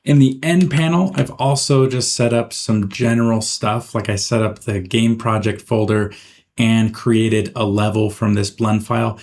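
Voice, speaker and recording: A man narrating a software tutorial in an informal, step-by-step way, as the host. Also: lowish voice, steady tone, unhurried, a little hiss or hum. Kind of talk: casual screen-recorded software tutorial narration.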